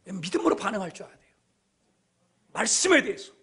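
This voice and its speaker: A man pastor delivering a sermon, telling stories emphatically and swinging between quiet and loud delivery. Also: sits high, sing-song, fast talker, slightly rough.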